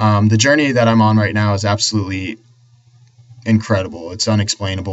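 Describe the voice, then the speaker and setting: A man speaks at a fairly quick pace in a fairly low voice, with fairly even intonation. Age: 20s. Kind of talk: interview answer. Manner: soft-spoken, emphatic.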